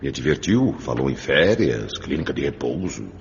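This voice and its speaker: An actor playing an ailing, anxious middle-aged head of a household in a radio drama, with a Brazilian accent. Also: male voice, a bass voice, big pitch swings, normal speed, creaky, exaggerated voice. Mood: worried, brooding. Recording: dull, reverberant, some noise.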